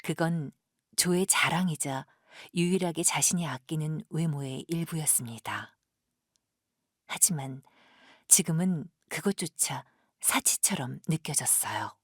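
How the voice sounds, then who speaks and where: A woman professional narrator reading a scripted audio drama in a measured, gentle storytelling manner. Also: deep voice, husky, no echo, clean studio sound.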